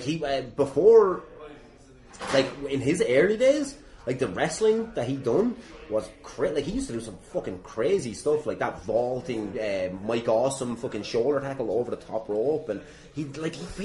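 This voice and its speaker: A man's voice: mid-range voice, mellow. An Irish man hosting a podcast in casual conversation, emphatic and swearing freely, recorded in an echoey room. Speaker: podcast host.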